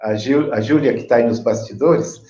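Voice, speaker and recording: A man with a Brazilian accent hosting a conversational interview in a deliberate, hesitant, rambling way. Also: medium pitch, mellow. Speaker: interview host. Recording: echoey room, dull lo-fi audio.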